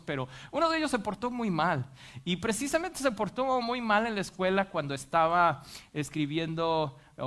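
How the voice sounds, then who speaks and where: Preacher telling a family story. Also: male voice, fairly high pitch. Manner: storytelling, shifts from quiet to emphatic, frequent "este" fillers. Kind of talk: sermon.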